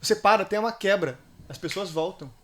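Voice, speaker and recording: A man's voice: high voice, a bit bright. A man with a Brazilian Portuguese accent hosting a podcast, chatting casually and sharing anecdotes. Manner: quick, chatty, shares anecdotes. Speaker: podcast host.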